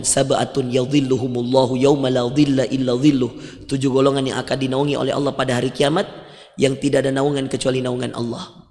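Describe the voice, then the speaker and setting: A man's voice: medium pitch, vocal fry, a little mellow. A man with a Makassar Indonesian accent giving a mosque sermon, telling stories with humor and quoting Arabic. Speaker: preacher. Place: large mosque hall. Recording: long mosque reverb.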